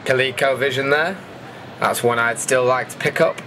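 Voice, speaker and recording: A man's voice: mid-range voice, normal speed, sharp tone. Casual man narrating, faint background noise. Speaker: video host narrating event footage. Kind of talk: casual voice-over commentary.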